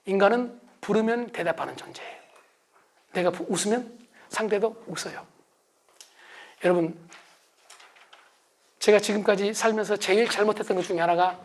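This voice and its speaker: A middle-aged man giving a motivational lecture, asking the audience questions and answering them himself. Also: sits high. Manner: acts out shouted family calls. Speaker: success lecturer.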